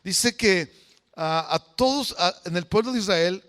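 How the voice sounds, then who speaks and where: A man's voice: high voice, lively intonation, unhurried, fairly bright tone. A man preaching a conversational sermon as pastor, often putting questions to the congregation. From Mexico.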